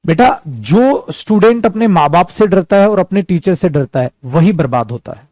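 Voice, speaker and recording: A man's voice: high voice, expressive, darkish tone, dry recording. Indian man teaching spoken English. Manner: explains in Hindi and repeats English example sentences slowly; encouraging, calls students "beta".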